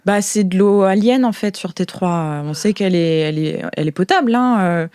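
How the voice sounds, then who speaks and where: A woman's voice: mid-range voice, normal speed, darkish tone, smooth, no echo, studio quality, lightly acted. A woman playing a naive, eager young woman from a future society, puzzled and hesitant as she explains things in an improvised audio fiction. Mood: earnest, hesitant.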